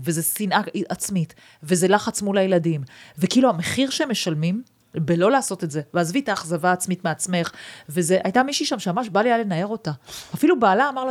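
A woman hosting a casual podcast interview, talking emphatically and expressively, with her pitch jumping when she makes a point. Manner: emphatic, expressive, pushes opinions with big pitch jumps. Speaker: podcast host.

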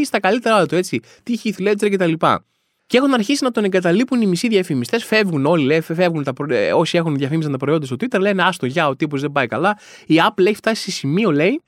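High-voiced man ranting on a comedy podcast. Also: animated, dry recording, studio quality. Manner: rambling, exaggerated self-mocking rants; frequent colloquial asides and restarts. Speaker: podcast host.

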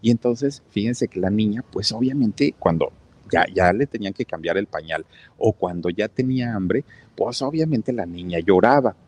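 A man's voice: on the low side, expressive, normal speed, darkish tone. A man with a Mexican accent telling a story casually and talking straight to his listeners, with lots of fillers. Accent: Mexican Spanish. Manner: chatty, talks straight to the listeners, many fillers. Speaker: channel storyteller.

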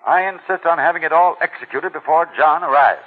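This old radio broadcast, thin and narrow-band, captures a 1940s actor playing an elderly wealthy client who is stubborn and insistent, blunt and commanding. He talks fairly quickly in a slightly high voice with a breathy edge.

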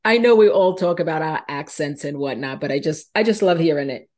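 A woman from New York hosting a podcast, asking questions in a warm, encouraging and enthusiastic way. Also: sits low, animated, a little fast. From New York, USA. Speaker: podcast host. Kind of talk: casual interview conversation.

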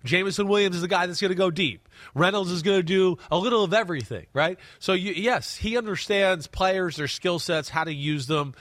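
A man's voice: high voice, brisk, hardly any pauses, a bit bright, no room sound. A man with a stuffy, congested voice, co-hosting a casual football chat and talking emphatically, tagging "right?" onto his points. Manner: emphatic, repeats words, asks "right?". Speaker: podcast co-host. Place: studio desk close to co-host.

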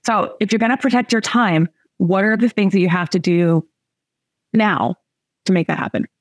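A woman's voice: medium pitch, moderate pace, no echo, studio quality. A woman in her forties giving a motivational coaching talk to a group, chatty and emphatic, laughing often and speaking straight to her listeners. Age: 40s. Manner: chatty, laughing, emphatic, addresses audience directly. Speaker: coach and host.

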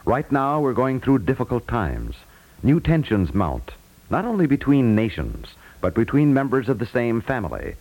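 A man's voice: mid-range voice, huge pitch swings, normal speed, darkish tone, rough recording. A man announcing in an earnest, formal, scripted 1950s radio style. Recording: vintage 1950s radio recording.

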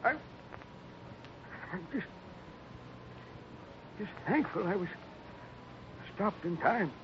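High-voiced, grieving old Western father. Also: lively intonation, exaggerated voice. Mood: remorseful, choked. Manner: halting, emotional. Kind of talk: 1950s radio acting. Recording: muffled old radio recording, faint noise.

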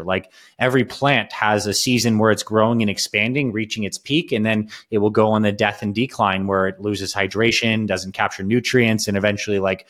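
A man's voice: fairly low pitch, a bit bright. A man hosting a podcast who asks long, thoughtful questions, often padding them with "like". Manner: thoughtful, musing questions with "like" fillers. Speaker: podcast host. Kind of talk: casual podcast interview.

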